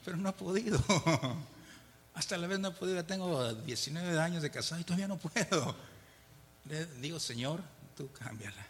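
A man with a fairly high voice leads a Bible study at a moderate pace, leaving long pauses. His tone is a bit bright, with a little hiss or hum on the recording. He reads verses aloud and explains them conversationally in a reverberant hall, often asking "¿verdad?" to check in with listeners and chuckling between points.

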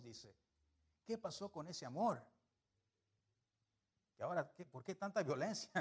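A man whose voice is a little high and slightly rough delivers a lively sermon. He swings from emphatic, loud points to quiet asides and asks the congregation rhetorical questions.

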